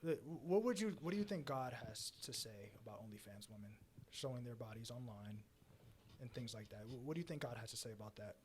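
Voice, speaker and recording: A man's voice: medium pitch, expressive, fast, crowd noise. A man in his twenties co-hosting a podcast, asking pointed, challenging questions in casual chat. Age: 20s.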